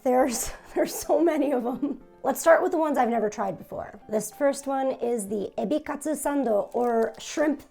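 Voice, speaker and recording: A young woman hosting a casual food-tasting vlog, hoarse and nearly losing her voice, talking in a subdued, raspy monotone with small laughs. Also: high-pitched. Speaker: food vlogger. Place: her home in Japan.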